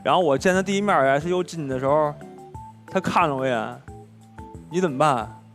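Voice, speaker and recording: Man, hesitant recollection, fairly high voice, faint music. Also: quick pace, a bit bright. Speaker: guest. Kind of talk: talk show recollection.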